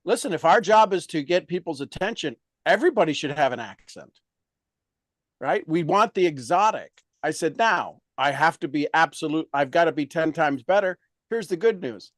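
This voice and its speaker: A man coaching in an emphatic, motivational way, animated and firm. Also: on the high side, no room sound, studio quality. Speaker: sales coach.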